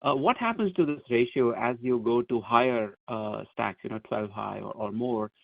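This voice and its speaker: A tinny, close telephone line carries a man with noticeable vocal fry. He speaks as a financial analyst posing questions in conversational business language at a middling pitch. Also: normal speed, no room sound. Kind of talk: earnings call questioning. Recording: dry, narrow telephone line.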